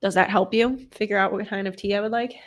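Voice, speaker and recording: A woman's voice: medium pitch, fairly even intonation, fast. A woman streamer with a stuffy nose from a cold, giving casual play-by-play of a football game and chatting with her viewers. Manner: chatty, swears casually, reads and answers chat. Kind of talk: casual live play-by-play commentary with chat. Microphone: desk streaming microphone.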